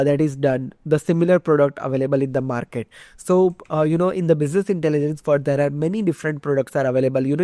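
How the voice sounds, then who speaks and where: A man in his thirties with an Indian English accent talks through a screen-share lesson, filling pauses with "you know" and "uh." His voice sits a little high with a warm, mellow tone. The sound is dry and close, recorded in a small room. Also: no echo. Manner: conversational, many fillers like "you know" and "uh". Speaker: instructor. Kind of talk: screen-share tutorial lecture.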